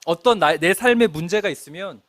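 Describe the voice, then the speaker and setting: A man's voice: high voice, animated, a little fast, fairly bright tone, dry recording. A middle-aged male pastor preaching a sermon, telling a story and asking the congregation questions. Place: church.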